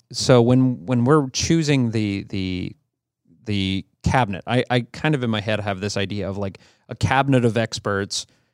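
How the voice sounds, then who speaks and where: On a very clean recording with a silent background, a man speaks at a moderate pace and medium pitch with ordinary pitch variation, in an unremarkable speaking voice. The sound is dry and close, with no echo. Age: 40s. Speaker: church podcast host. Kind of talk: casual chat.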